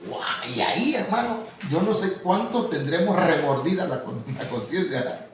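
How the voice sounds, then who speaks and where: A man's voice: a little high, animated, normal speed. A man with a Mexican Spanish accent, a pastor preaching a sermon in a conversational, storytelling way, calling his listeners brother. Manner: conversational, tells anecdotes, addresses listeners as hermano. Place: church hall. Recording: echoey hall from far off, faint noise.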